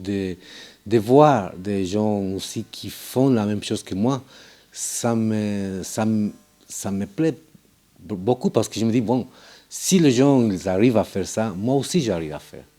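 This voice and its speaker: A man, an amateur actor, describing his experience in interview, halting and restarting often. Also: lowish voice, warm tone. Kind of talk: interview answers.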